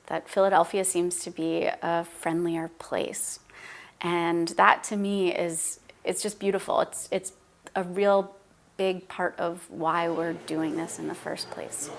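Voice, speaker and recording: A woman's voice: lowish voice, vocal fry, a little hiss or hum. A woman coordinating a cooking-based English program, speaking earnestly about her students. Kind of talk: interview.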